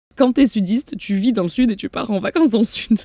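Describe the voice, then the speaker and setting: A dark, mellow, somewhat breathy voice in a southern French accent, fairly quick, with ordinary pitch variation and a dry, close sound with no echo. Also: woman. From southern France (Marseille, then Var). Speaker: podcaster. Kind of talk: casual monologue. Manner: chatty.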